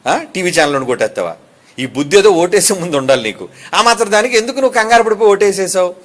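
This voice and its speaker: A male pastor preaches a sermon in a notably high voice, emphatic and animated. He fires rhetorical questions at the congregation and breaks in with quick asides to keep them with him.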